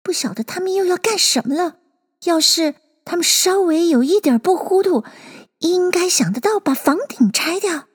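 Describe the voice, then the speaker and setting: A woman's voice: very high-pitched, animated, moderate pace, voice pushed up. A woman voicing a curious, spirited young girl who talks to herself and scolds others. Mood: musing. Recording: long hall reverb.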